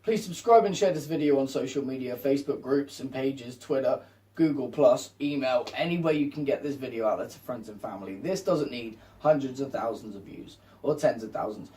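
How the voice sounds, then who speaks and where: A man's voice: mid-range voice, brisk, mellow, recorded from a distance. A man hosting a video with an insistent, repetitive, impassioned unscripted appeal to viewers. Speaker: video host.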